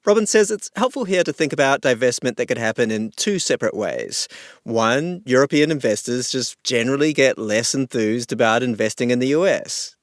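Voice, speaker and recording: A man's voice: medium pitch, expressive, normal speed, no echo. A man with a mid-range voice hosts a conversational explainer podcast, asking curious, friendly questions. The sound is dry and close to the mic. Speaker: podcast host.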